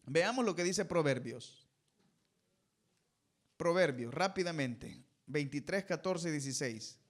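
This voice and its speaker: A man's voice: fairly high pitch, animated, takes it slowly. A man preaching a sermon as pastor. He talks emphatically to his congregation, calls them brothers and has them fill in the ends of his sentences. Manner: emphatic, addresses listeners as brothers.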